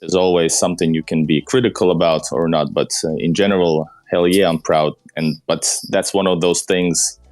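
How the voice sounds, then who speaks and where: A man's voice: deep voice, steady tone, a little mellow, no room sound. A man with a Russian accent, a native Russian speaker, hosting a casual conversation and hunting for words with lots of fillers. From Soviet Union. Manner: halting, searching for words, many fillers. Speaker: host.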